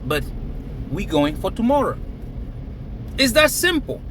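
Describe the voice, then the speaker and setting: A man's voice: high-pitched, sing-song, measured pace, background noise. A man from Cameroon, raised in Nigeria, talking emphatically to camera and laughing between phrases. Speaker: crypto vlogger. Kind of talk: casual hype monologue to camera.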